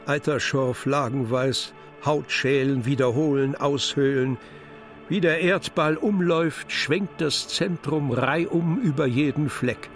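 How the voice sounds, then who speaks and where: An actor playing a stern philosopher who guides through hell, giving clipped, pronouncements in a radio play. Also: male voice, a little high, measured pace, soft background music, natural voice. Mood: detached, contemptuous. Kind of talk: German radio play, poetic recitation.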